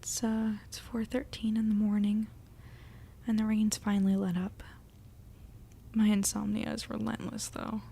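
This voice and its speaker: A woman's voice: medium pitch, level tone, unhurried, vocal fry, pauses often, dark tone, a little hiss or hum. An actress playing a worried, introspective young woman confiding her thoughts in an audio drama. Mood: hushed, restless. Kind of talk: audio drama narration and dialogue.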